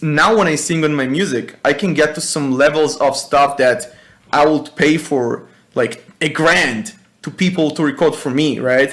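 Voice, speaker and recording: A man speaks with an Israeli accent. His pitch is fairly high. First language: Hebrew. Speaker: music producer. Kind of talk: live-stream workshop. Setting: live stream. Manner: casual, halting.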